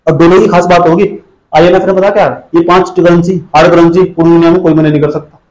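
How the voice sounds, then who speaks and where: A high-voiced man with a darkish tone runs an exam-prep class at a quick pace, his pitch barely moving, in an echoey room. He repeats each point relentlessly, fires off questions and scolds students who don't keep up.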